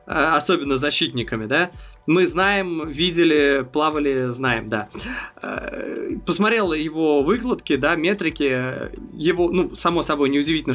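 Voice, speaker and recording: A man's voice: a little high, a bit bright. A man co-hosting a football podcast, talking things through in a thoughtful, analytical way with hesitant fillers. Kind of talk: casual chat.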